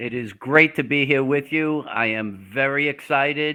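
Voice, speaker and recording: A man with a New York accent speaks in a bright, sharp tone. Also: quiet background. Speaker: physical therapist. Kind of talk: podcast interview.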